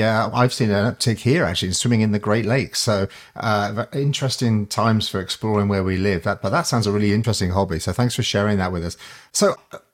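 Upbeat podcast host man. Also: on the low side. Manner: upbeat, friendly, frequent uh fillers. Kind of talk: podcast hosting, interview.

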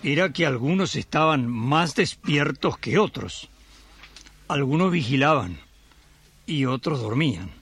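A man narrating a scripted radio drama in a measured storytelling manner. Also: medium pitch, expressive, fairly bright tone, breathy edge, soft background music.

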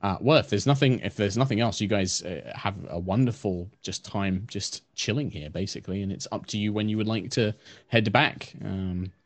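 A man narrating a tabletop game as game master, describing scenes in an unhurried way with frequent fillers. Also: fairly low pitch, dry recording.

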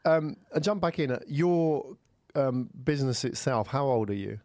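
A man's voice: mid-range voice, expressive, a little slow, a little mellow, dry recording. A man in his forties hosting an interview, chatting casually, with fillers and friendly prompts. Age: 40s. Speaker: podcast host.

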